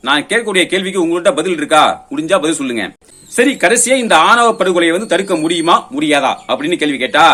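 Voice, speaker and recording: A political commentator with a fairly high, pushed, bright voice delivers a confrontational monologue rebutting an opponent. He fires off pointed rhetorical questions in an accusatory tone.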